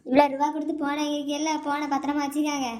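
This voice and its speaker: A woman plays a nagging village mother-in-law, scolding in a high, rapid voice. She fires off question after question at her son and daughter-in-law in this cartoon comedy, always hectoring. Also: completely flat delivery, a little mellow, lightly acted. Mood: lecturing.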